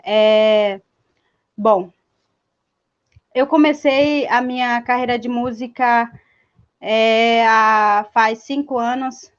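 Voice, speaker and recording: Slow, hesitant young woman rapper. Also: fairly high pitch, steady tone, clean tone. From Mato Grosso do Sul, Brazil. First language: Guarani. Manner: slow and hesitant, many fillers. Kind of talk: live stream talk. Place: indoors, seated. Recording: dull lo-fi sound.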